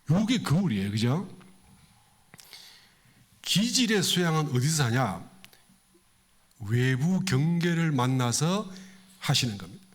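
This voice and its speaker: Lively-voiced male preacher. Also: husky. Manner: conversational, asks the congregation questions; acts out quoted voices with big pitch swings. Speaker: pastor. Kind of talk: sermon. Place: temple hall with congregation.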